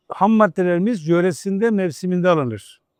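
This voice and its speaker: Speaking at a fairly quick pace, a man with a high voice is heard against a quiet background in a dry, close recording with no echo. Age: 70s. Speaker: baklava maker. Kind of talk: interview. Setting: small table in a café.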